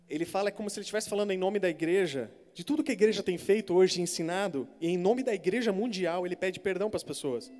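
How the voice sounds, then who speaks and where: Animated high-voiced young man preaching. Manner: animated storytelling, acts out voices, swings from shouting to hushed. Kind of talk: sermon to a youth congregation. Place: church hall. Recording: reverberant church hall with faint music.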